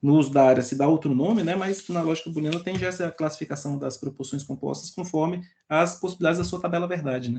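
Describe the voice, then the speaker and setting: The tone is dark and mellow, with fairly even intonation and a very fast pace. Hardly any pauses break the speech, and the background is quiet. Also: man, fairly high pitch for a man. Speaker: thesis committee member. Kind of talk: academic thesis defense feedback.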